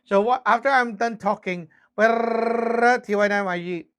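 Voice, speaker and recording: Speaking a little slowly in a fairly bright tone, a man with a notably high-pitched voice teaches the fundamentals of radio communication. The lesson is casual and conversational, with acted-out sample exchanges, step-by-step explanations, and frequent short tag questions.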